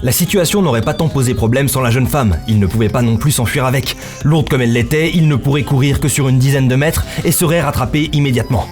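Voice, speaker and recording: A man's voice: medium pitch, fast, few pauses, darkish tone. A man narrating a scripted action story in a dramatic style, with music behind him.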